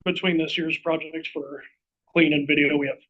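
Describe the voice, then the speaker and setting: Man, slightly high voice, city staffer, informal explanation, dull meeting recording. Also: flat delivery, normal speed, fairly bright tone. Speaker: city staff presenter answering questions. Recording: dull, band-limited meeting audio.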